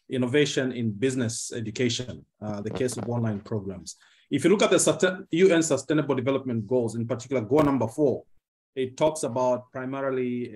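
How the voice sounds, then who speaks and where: A man from Zambia in his fifties, a law professor giving a formal, measured presentation on a video call, with frequent fillers. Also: medium pitch, a little mellow. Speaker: guest speaker, law professor. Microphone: computer mic on a video call.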